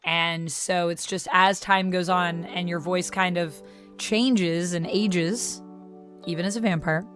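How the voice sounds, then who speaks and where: Chatty streamer woman with a low voice. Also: steady tone, takes it slowly, fairly bright tone, faint music behind. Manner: chatty, reads chat aloud. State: recovering from vocal strain. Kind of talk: casual live-stream chat.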